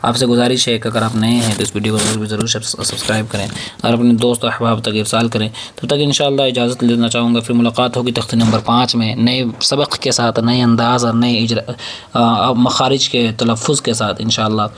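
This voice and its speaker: A man teaching a step-by-step reading lesson, drilling slow, drawn-out syllables and patiently repeating each rule, often asking a question and answering it himself. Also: medium pitch, little pitch movement, a bit bright, a little hiss or hum. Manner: asks and answers his own questions.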